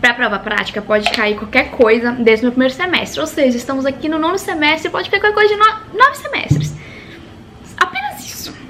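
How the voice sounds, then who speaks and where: Amid noticeable background noise, a woman speaks in a raised, projected voice at a high pitch and a fairly quick pace, with very wide pitch swings. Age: 20s. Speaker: medical student and vlogger. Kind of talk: study vlog. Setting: at home at desk.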